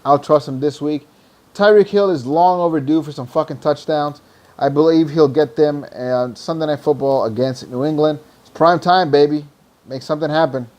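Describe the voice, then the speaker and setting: A hoarse, tired man hosting a podcast, rambling loosely through fantasy football picks and swearing freely. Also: fairly high pitch, moderate pace, darkish tone. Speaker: podcast host. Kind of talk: casual fantasy football talk.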